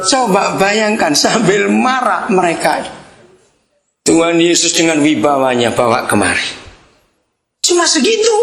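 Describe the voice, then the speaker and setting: A man preaching a sermon, teasing and quizzing his congregation, with sudden loud outbursts. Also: a little high, roomy sound. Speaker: pastor.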